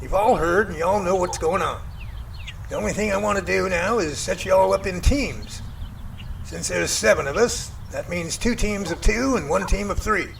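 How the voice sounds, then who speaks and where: A man playing a folksy, excitable professor who leads a search team in an amateur audio drama, with theatrical, old-fashioned phrasing. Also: high-pitched, moderate pace, gravelly, a little hiss or hum. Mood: organizing, puzzled.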